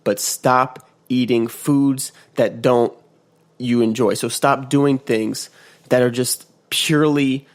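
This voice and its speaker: A man hosting a casual motivational podcast, just woken up and congested, rambling with restarts and acting out quotes in a higher voice. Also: steady tone, slow. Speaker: podcast host. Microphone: podcast mic.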